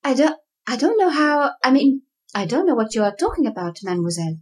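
Young French heiress in a radio drama, French accent, lively pitch, hesitant, played by a woman. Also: a little fast, slightly rough, full character voice. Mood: flustered. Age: 20s. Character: young French woman heading aircraft firm. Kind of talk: audio drama acting.

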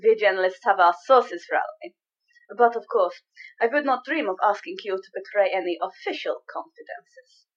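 A woman's voice: mid-range voice, moderate pace, lo-fi sound, close to an everyday voice. A woman playing a haughty, menacing female spy, in an audio drama. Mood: smooth, scheming. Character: scheming female German spy posing as journalist.

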